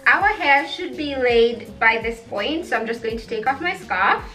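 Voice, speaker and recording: A woman's voice: a little high, expressive, measured pace, sharp tone. A young woman chatting through a hair tutorial vlog, playful and sassy with giggly asides. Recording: echoey room with faint music.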